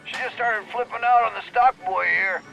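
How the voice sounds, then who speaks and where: A man's voice: high voice, moderate pace, gravelly, dull audio, music in the background. An actor playing a carefree, party-loving young guy chatting on the phone in breezy slang in an audio drama. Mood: amused, excited.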